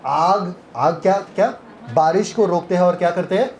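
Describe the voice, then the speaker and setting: A man's voice: high-pitched, normal speed, a little mellow, soft background music. A man leading a Bible retreat session, teaching interactively and quizzing listeners with repeated questions. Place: retreat hall. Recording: echoey hall.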